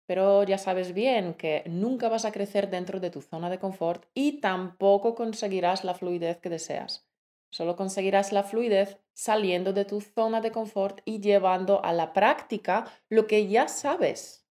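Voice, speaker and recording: A woman co-hosting a language lesson, speaking clearly and deliberately and calling the listener an endearment. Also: medium pitch, mellow. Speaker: language teacher, co-host.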